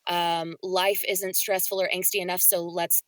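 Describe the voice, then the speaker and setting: A woman's voice: lowish voice, level tone, moderate pace, no echo. A woman voice actor talking casually as a guest in a podcast interview.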